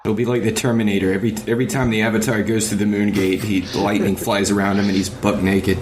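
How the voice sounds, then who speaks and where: A man with a low voice talks on a podcast panel in a measured, halting manner. The amateur recording is clearly noisy. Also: flat delivery, darkish tone. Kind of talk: casual discussion.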